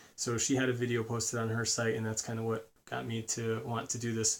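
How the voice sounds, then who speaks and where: A man with a Connecticut accent, medium pitch, fairly quick pace, on a very clean recording with a silent background. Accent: American, Connecticut. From Connecticut, US. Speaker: vlogger. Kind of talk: casual vlog talk. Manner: hesitant, many fillers.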